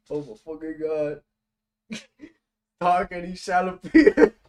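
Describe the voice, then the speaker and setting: A young man casually commentating over his own video, laughing often, swearing and now and then yelping loudly. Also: high voice, slow pace. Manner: laughs often, swears, bursts into loud yelps. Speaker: video essay creator doing live commentary.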